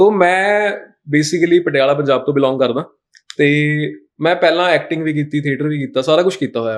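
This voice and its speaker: With a slight Punjabi accent, a man with a fairly high voice speaks at a moderate pace with ordinary pitch variation and long, frequent pauses. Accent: Punjabi touch in Hindi. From Punjab, India (Patiala). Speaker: patient giving testimonial, actor and comedy video maker. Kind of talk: interview testimonial. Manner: casual, animated.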